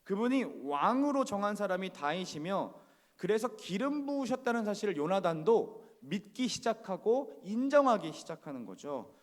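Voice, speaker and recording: Lively, conversational male preacher in a church hall. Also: high voice, moderate pace. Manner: conversational, asks the congregation questions. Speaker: pastor. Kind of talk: sermon. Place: church sanctuary.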